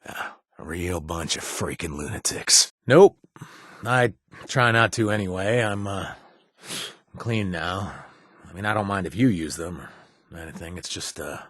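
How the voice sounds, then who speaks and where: A wry former raider from a video game, husky and a little low, with a lively delivery. He hedges and stumbles with fillers, then cracks puns. The studio sound is close and dry. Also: no echo, heavily acted. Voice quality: husky, punning, easygoing. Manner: wry and hesitant, lots of uh fillers. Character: wry former raider man, trying to stay clean. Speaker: companion character.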